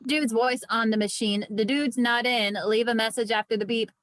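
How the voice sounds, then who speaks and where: Higher-pitched woman reading stage directions. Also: steady tone, normal speed, fairly bright tone, no echo. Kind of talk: scripted narration at a table read.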